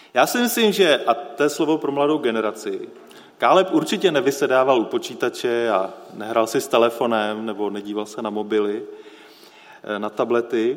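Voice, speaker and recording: Over noticeable background noise, a man speaks at a fairly quick pace with a medium pitch and ordinary pitch variation. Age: 40s. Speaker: pastor. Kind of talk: sermon.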